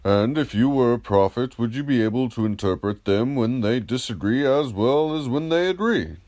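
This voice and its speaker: A man's voice: medium pitch, animated, a little mellow, pitched above the performer's own voice, lightly acted. A man voicing a wise, courteous philosopher who questions patiently and methodically in an audiobook dialogue. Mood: patient probing. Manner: measured, polite, methodical questioning.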